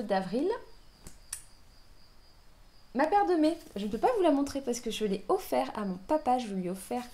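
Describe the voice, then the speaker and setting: A woman hosts a knitting podcast, chatting casually in a medium-pitched, slightly mellow voice. She sounds hesitant, with lots of fillers and restarts.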